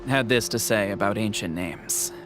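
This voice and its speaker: A man playing a wise, kindly older tribal chief in a video game, mentoring in a measured, formal, reassuring way. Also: fairly low pitch, a bit bright, faint music behind, close to an everyday voice. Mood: solemn.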